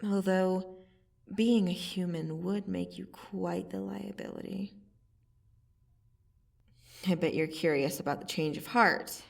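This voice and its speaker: A woman playing a menacing yet softening vampire assassin in an ASMR roleplay, intimate and deliberate, often slipping into a breathy whisper. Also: lowish voice, fairly even intonation, distant mic, full character voice. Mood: softening, earnest. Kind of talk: ASMR roleplay, scripted dramatic monologue.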